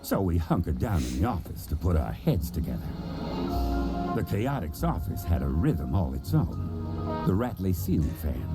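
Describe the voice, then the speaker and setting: A man voicing a gruff crocodile detective who narrates like a noir story in a cartoon audio drama, with a gravelly voice. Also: low-pitched, sing-song, moderate pace. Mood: brooding narration. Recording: music under the voice.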